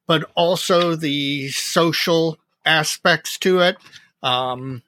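A man's voice: on the high side, bright, forceful tone, dry recording, studio quality. A man co-hosting a hobby podcast, talking in an earnest, friendly way and rambling with fillers. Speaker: podcast co-host. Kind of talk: casual podcast chat.

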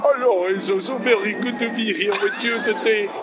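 Comic amorous Frenchman, put on by a man, exaggerated French accent, high register, over loud music. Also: steady tone, normal speed, over a noisy crowd, lightly acted. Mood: gushing, amorous. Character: mock amorous, gushing Frenchman. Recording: music playing behind the voice.

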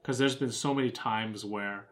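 A man's voice: on the low side, fairly even intonation, moderate pace, a bit bright. A young American man chatting casually as a co-host, leaning on fillers like "like" and "right?". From United States. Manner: filler-heavy, keeps asking "right?". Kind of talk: casual chat.

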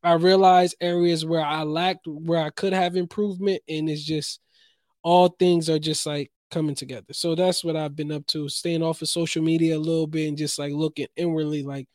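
A young man from New Jersey co-hosting a casual podcast, talking in a lively, rambling, slangy way about his week and his writing. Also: fairly high pitch, normal speed, no room sound, clean studio sound. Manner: animated, rambling storyteller, slangy. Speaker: podcast co-host, playwright. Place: Los Angeles.

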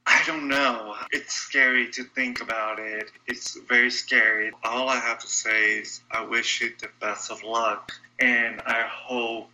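A man's voice: mid-range voice, level tone, unhurried, few pauses, pushed and bright, poor audio. A man from Brazil with a Brazilian Portuguese accent, whose first language is Portuguese, speaks as a radio show guest, earnest and candid with a wry edge. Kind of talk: casual interview talk.

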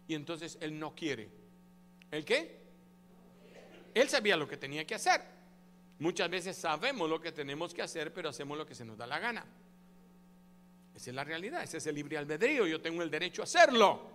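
High-voiced, bright-toned preaching pastor. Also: male voice, very animated, moderate pace, long pauses, in a large hall, slight background noise. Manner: preaching with call-and-response prompts to the congregation; emphatic, swinging between loud and soft. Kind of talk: sermon.

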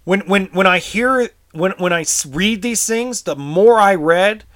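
Man, high-pitched voice, tense, frustrated vlog rant, swears, stumbles and repeats words. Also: lively intonation, measured pace, fairly bright tone. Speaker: RV service technician.

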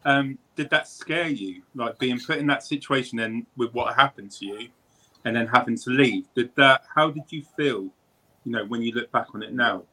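Bright-voiced man co-host. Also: medium pitch, normal speed, low-quality recording.

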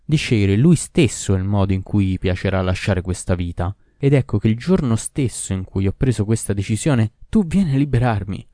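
A man's voice: medium pitch, lively intonation, brisk, mellow, dry recording, studio quality, lightly acted. A man voicing a proud and cruel ancient male jinn in a storybook reading, in a solemn, declaiming manner. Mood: menacing.

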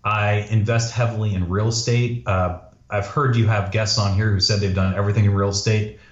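A man from Canada answers as a podcast guest in a low voice. He talks casually and conversationally. The recording is roomy and a little dull. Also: fairly even intonation, a little fast. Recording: roomy, slightly dull audio.

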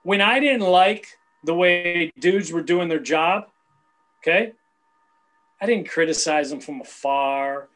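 Combative fifty-something man, high voice. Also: slow pace, fairly bright tone. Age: 50s. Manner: blunt, combative, boastful. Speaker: sports columnist guest. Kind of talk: heated casual sports chat.

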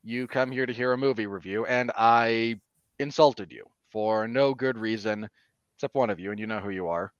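A man hosting a film podcast, giving casual commentary in a wordy, deliberate, mock-formal manner. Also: lowish voice, no room sound, dull audio. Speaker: podcast host and film reviewer.

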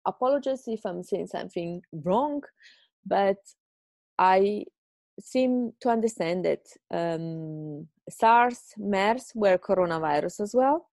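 Brief: Italian woman podcaster, gravelly low-toned voice, chatty and encouraging, dry close sound. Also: lively intonation, slow, a little mellow, dry recording. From Italy. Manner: chatty, self-mocking, encouraging. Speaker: podcast host. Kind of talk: casual advice monologue. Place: home.

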